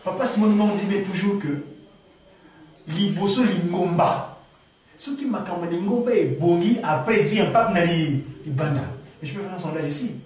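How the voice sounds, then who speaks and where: Man from the Congo, animated, restarts a lot; high-pitched, recorded from afar. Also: moderate pace, a little hiss or hum. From Republic of the Congo. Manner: animated, repeats words and restarts, rising to exclamations. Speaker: speaker answering questions at a gathering. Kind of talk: spontaneous talk to an audience. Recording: echoey room, far from the mic.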